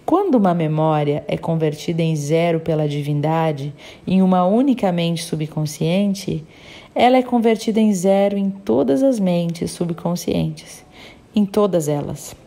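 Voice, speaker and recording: A woman reading the lines of a calm, wise male spiritual healer in measured, earnest pronouncements. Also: lowish voice. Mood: solemn.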